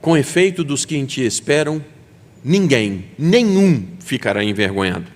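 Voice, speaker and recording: A man's voice: medium pitch, lively intonation, moderate pace. A man with a Brazilian Portuguese accent, preaching a sermon as pastor and acting out quoted voices. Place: church sanctuary. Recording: long hall reverb.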